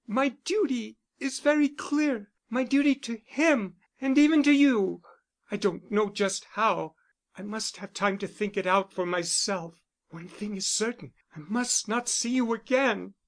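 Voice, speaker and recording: A man voicing a young wife torn between duty and love, speaking in a high, earnest, pleading voice. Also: measured pace. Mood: anguished. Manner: pleading, earnest, rising in pitch. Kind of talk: audiobook character voice.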